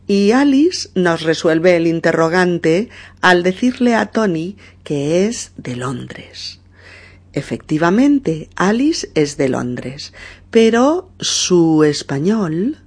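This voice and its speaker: A teacher explaining a dialogue in a language lesson, slow and patient, often checking in with a questioning "mm?". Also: mid-range voice, vocal fry, darkish tone, husky. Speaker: Spanish teacher.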